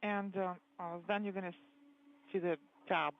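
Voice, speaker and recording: A man interpreting crew talk live over a tinny space-to-ground radio loop, halting and full of fillers. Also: sits high, fairly even intonation, creaky. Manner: halting, with frequent fillers and restarts. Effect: tinny space-to-ground radio, like a communicator. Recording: thin phone-like radio channel with faint hiss.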